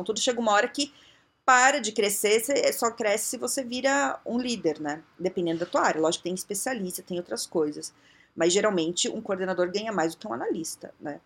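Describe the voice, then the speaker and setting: A woman with a Brazilian Portuguese accent giving blunt, conversational leadership advice, often acting out little dialogues. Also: mid-range voice. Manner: blunt, conversational, frequent tag questions, acts out dialogues. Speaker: leadership coach. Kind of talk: casual advice talk.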